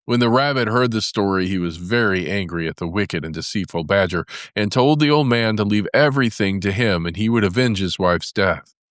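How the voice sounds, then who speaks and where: A man narrating a fairy tale as a storybook, in a measured storytelling manner. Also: on the low side, lively intonation, fairly bright tone, dry recording, clean studio sound. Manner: measured storytelling with character voices for dialogue.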